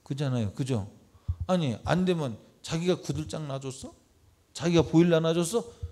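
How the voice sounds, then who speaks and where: A male pastor preaching a midweek church sermon in a conversational way. He swings between loud exhortation and soft asides, acts out quoted speech and asks the congregation questions. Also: a little high, lively intonation, normal speed. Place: church service.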